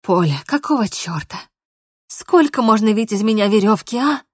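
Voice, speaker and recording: A woman's voice: mid-range voice, lively intonation, normal speed, a little mellow, husky, dry recording, clean studio sound. A woman voicing a desperate young man in love. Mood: angry.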